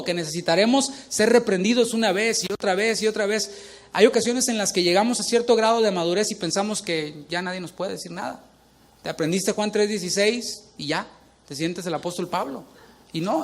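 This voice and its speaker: A middle-aged male pastor preaching a sermon, asking the congregation questions as he reads scripture. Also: sits high.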